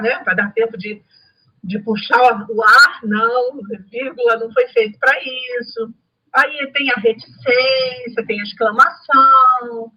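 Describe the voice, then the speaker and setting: A woman's voice: sits high, husky. A Brazilian woman giving an online study lesson to a spiritist group, talking in an earnest, emphatic way and repeating key phrases. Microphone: video call or webcam. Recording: dull lo-fi home recording.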